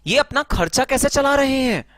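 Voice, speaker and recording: A man's voice: very high-pitched, lively intonation, normal speed, a bit bright, dry recording, voice pushed up. A man voicing a puzzled student. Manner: eager, incredulous questioning. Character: puzzled young male student asking questions.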